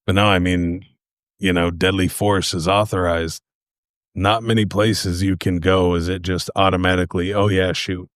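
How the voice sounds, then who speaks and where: A man co-hosting a podcast, talking through stories in loose casual chat. His voice is very low, and his delivery is laid-back and peppered with swearing. The recording is close and dry. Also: level tone, normal speed, no room sound. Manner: laid-back, profane, storytelling. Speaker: podcast co-host.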